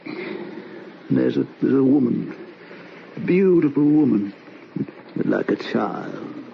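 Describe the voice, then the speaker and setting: A haunted husband confesses his crime in an old horror drama. His delivery is slow and halting, circling back over words, with a creaky edge to the voice. The old recording is dull, with light noise behind him. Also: mid-range voice, expressive, heavily acted. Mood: brooding. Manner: halting, repeating words, tormented. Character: haunted, guilt-ridden husband confessing his wife's murder. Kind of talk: old-time radio horror drama acting, dramatic monologue.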